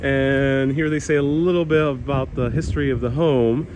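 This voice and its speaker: A man from Puerto Rico raised in New York, with a Queens Hispanic accent and Spanish as his first language, hosting a relaxed live walking tour and chatting with viewers. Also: mid-range voice, normal speed. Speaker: walking tour livestream host. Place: outdoors on a town street with passing traffic. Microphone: phone-mounted mic while walking. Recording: noisy outdoor street recording.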